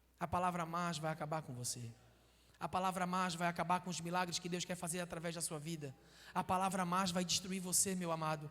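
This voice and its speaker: A man with a Florianópolis accent speaks fairly quickly at a high pitch. His tone is bright and sharp, his intonation fairly even. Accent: manezinho (Florianópolis). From Florianópolis, Santa Catarina, Brazil. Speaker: preacher. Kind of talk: sermon. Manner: emphatic, repetitive.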